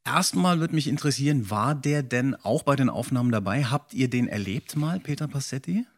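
A man's voice: mid-range voice, expressive, a little fast. A man with speech, co-hosting a podcast and chatting casually as an attentive, inquisitive interviewer.

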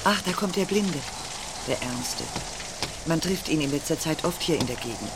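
A kind, talkative woman in an old radio play, her voice rising and falling in a lively way. She fusses helpfully over people around her. Pouring rain fills the background loudly. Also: deep voice, normal speed, heavy background noise. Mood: kindly. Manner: warm-hearted, talkative. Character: kindly, chatty woman at a rainy bus stop. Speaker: radio drama actress. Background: heavy rain.

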